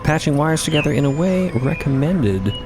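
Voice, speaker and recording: A man's voice: fairly high pitch, expressive, normal speed, over music. A man narrating an adventure story for a fiction podcast, dramatically and in the present tense.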